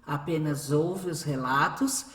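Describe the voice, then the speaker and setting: A woman's voice: low-pitched, slow. A woman with a Brazilian accent reading scripted narration for a radio drama. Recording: echoey room.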